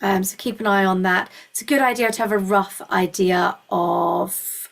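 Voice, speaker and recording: A woman's voice: mid-range voice, normal speed, gravelly, fairly bright tone. Scottish woman, webinar host. Informal, explanatory delivery, encouraging and reassuring, mid-range voice. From Scotland.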